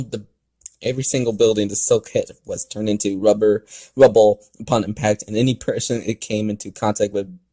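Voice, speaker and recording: Low-voiced man reading aloud haltingly. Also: mellow. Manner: halting, stumbles over words, breaks off with chuckles and sighs. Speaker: fan fiction reader and commentator. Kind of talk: amateur read-aloud of a story with casual side comments.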